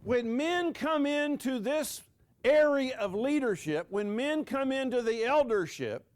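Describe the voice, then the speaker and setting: Man in his sixties, preacher, sermon, high voice, slow deliberate pace, sinks low on key words. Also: lively intonation, smooth. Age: 60s. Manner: dramatic pauses, voice dropping low on key words; jokes with the audience.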